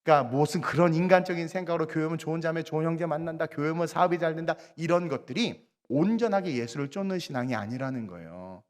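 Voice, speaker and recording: A man preaching a sermon, acting out little dialogues and swinging between loud bursts and quiet asides. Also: a little high, quick pace, few pauses. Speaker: guest preacher at a revival service. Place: church sanctuary. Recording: long church reverb.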